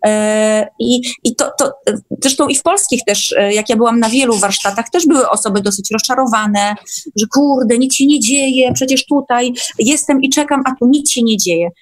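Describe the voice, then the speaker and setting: A woman's voice: on the high side, normal speed. A woman talking casually as a guest in an online discussion, often repeating words for emphasis. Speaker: guest, workshop participant.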